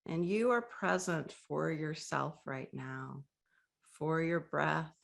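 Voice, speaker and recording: A woman leads a breathing meditation in a soft, gently inviting voice. She speaks very slowly, leaving long pauses between phrases. Her voice sits a little low and has a noticeable gravelly fry. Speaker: meditation guide. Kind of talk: guided meditation.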